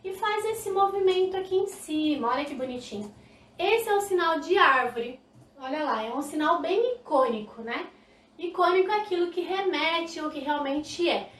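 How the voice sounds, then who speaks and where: A woman from Brazil teaching a live online sign language class, lively and demonstrative. Her voice is high. It is picked up a little off-mic in an echoey room. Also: moderate pace, distant mic. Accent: Brazilian Portuguese. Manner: lively, demonstrative, talks to viewers directly. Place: indoor room, live stream.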